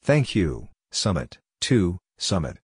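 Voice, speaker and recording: A man's voice: low voice, big pitch swings, takes it slowly, husky, no echo, studio quality. A man reading short radio practice phrases one at a time, repeating words, for a code lesson. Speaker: Morse code practice reader. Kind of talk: slow scripted reading of phrases.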